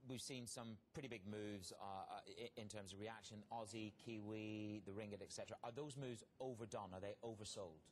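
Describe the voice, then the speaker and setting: A man's voice: fairly low pitch, steady tone, moderate pace, few pauses, a little hiss or hum. A man presenting broadcast business news as an anchor, reading stories and putting questions.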